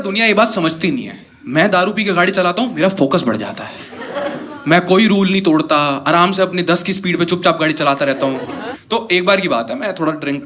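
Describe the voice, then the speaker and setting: A man doing stand-up comedy, telling animated stories and talking directly to the audience, switching freely into English phrases. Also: sits high. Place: comedy show with a live audience. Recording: stage mic with crowd laughing. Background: audience laughter.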